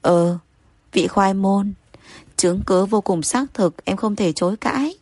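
A woman's voice: mid-range voice, measured pace, darkish tone, no echo. A woman voicing a cool-headed young man who teases his girlfriend, in a mock-stern way, in an audio story. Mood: teasing.

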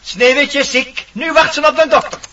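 Bossy little dwarf, extremely high piercing voice, indignant theatrical delivery, distant muffled old recording. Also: male voice, fairly even intonation, moderate pace, noisy background. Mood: matter-of-fact, explaining. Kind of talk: theatrical Dutch fairy-tale radio play.

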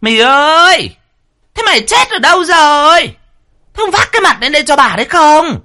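A man voicing the shrill, furious first wife of a rural landlord, screeching and cursing at a servant. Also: big pitch swings, normal speed, pushed and bright, full character voice. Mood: screaming.

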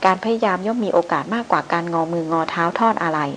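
A woman voicing a hopeless middle-aged male expedition leader with a stiff, flat delivery. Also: lowish voice, fast talker, a little hiss or hum, rough recording. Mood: resigned.

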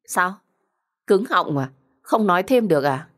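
In an audio story, a female storyteller voices a cruel, two-faced young woman who talks down to her victim. The character speaks at a measured pace in a slightly low, expressive voice, smug and taunting and dripping with sarcasm.

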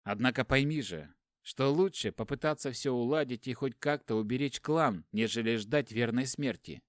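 A man's voice: mid-range voice, moderate pace, no echo, clean studio sound, lightly acted. A man voicing a detached, firm warrior who clips his words coolly. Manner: firm, clipped, cool.

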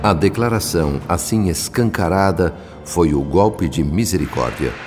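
A man narrating a scripted radio drama in formal, measured, literary phrases. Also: low voice, animated. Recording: long reverb, soft music behind. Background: faint music.

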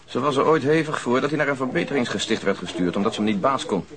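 An actor playing a matter-of-fact, methodical police detective in a radio drama. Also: male voice, medium pitch, expressive, fast talker, crowd noise, lightly acted. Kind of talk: naturalistic Dutch radio drama acting.

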